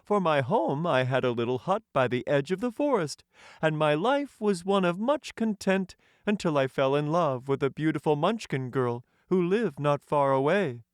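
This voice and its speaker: A proud storybook tin emperor, speaking very high with a lilting, swooping delivery. He is courtly and self-satisfied, and words everything formally and grandly, as in an audiobook fairy tale. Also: big pitch swings, normal speed, smooth, no echo, clean studio sound. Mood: wistful, earnest. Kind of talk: audiobook character voice.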